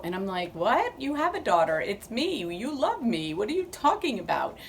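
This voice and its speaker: A woman's voice: on the low side, slight background noise. A woman in her fifties chatting enthusiastically to camera as she reviews a book she loved. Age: 50s. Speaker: book vlogger.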